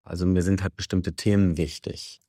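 Man, very low voice, musician guest, measured and reflective, dry close studio mic. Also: flat delivery, mellow, no echo. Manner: reflective, measured, lots of "also". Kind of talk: radio interview.

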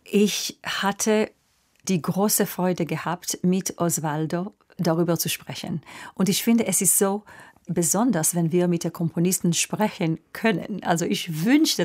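A woman opera singer from Israel with an Israeli accent, speaking slowly and thoughtfully in a radio interview, sometimes searching for words. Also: lowish voice, darkish tone. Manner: slow, thoughtful, searching for words in a second language. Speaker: guest, opera soprano.

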